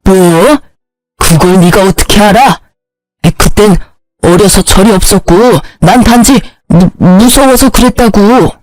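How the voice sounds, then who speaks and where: A woman's voice: mid-range voice, measured pace, a little mellow, dry recording, lightly acted, poor audio. Woman reading as a whining sick ex-husband. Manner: whining, demanding. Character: selfish sick middle-aged ex-husband.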